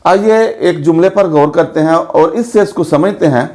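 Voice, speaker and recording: A man teaching Urdu pronunciation and spelling, speaking slowly and deliberately and spelling out each vowel mark. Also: a little high, a little mellow. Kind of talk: pronunciation lesson.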